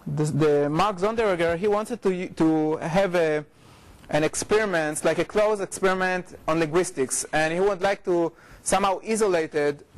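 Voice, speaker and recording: High-pitched Israeli man giving a lecture. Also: poor audio. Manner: informal, halting, frequent repetitions and self-corrections. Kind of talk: academic talk with slides. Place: lecture room, indoors.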